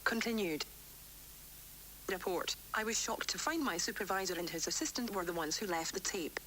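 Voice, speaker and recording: A woman plays a worried but defiant female doctor dictating her research log for an analog horror series. Her delivery is formal, clipped and measured, at a middle pitch. A light hiss runs under the voice, like an old cassette. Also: a bit bright, natural voice, rough recording. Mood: grave, disturbed. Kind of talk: analog horror tape log, scripted report. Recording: hissy vintage cassette tape recording.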